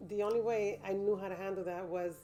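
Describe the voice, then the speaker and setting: A woman with a low-toned voice, a gospel singer being interviewed, speaking thoughtfully with many pauses and restarts. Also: fairly even intonation, mellow, soft background music. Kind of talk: casual interview talk. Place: day spa.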